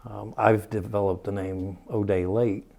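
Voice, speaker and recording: A man's voice: on the low side, little pitch movement, unhurried, vocal fry, mellow, slight background noise. A man giving casual interview answers in a plain-spoken, matter-of-fact way. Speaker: interview guest, charity plunge participant.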